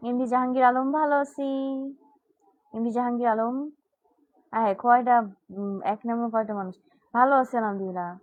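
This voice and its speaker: A teenage girl from Bangladesh hosts a live stream, chatting casually as she answers viewers one after another. Her voice sits fairly high and sounds close and dry, with almost no room around it. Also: fairly even intonation, a little fast, long pauses, dry recording, phone-quality sound. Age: teens. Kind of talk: casual live chat reading comments.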